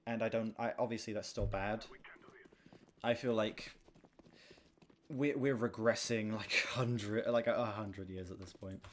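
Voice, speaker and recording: With a fairly low pitch, a measured pace and long pauses, a young man chats casually to viewers on his gaming stream, cursing from time to time. His voice is projected but, in his own words, monotone. Keyboard typing and clicks come through clearly in the background.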